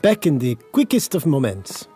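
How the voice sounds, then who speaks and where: An actor playing a flustered, fawning café waiter with a put-on French accent in a comic audio drama, theatrical, apologetic and hunting for English words. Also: male voice, medium pitch, wildly swooping pitch, moderate pace, dark tone, slightly rough, faint music behind. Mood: attentive. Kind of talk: audio drama comedy acting.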